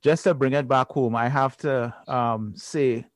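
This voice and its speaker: A man's voice: mid-range voice, steady tone, measured pace, no room sound. A man hosts a podcast in a dry, close recording. His voice sits in a middle range, and he talks in a casual, encouraging way. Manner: encouraging, frequent affirmations. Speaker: podcast host. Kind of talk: casual interview chat.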